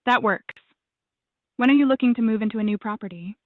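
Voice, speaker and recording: A synthetic woman's voice answering calls as a receptionist, polite, even and formulaic. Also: fairly high pitch, a little fast, dry recording. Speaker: AI phone receptionist. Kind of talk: scripted phone answering. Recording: dry tinny phone line.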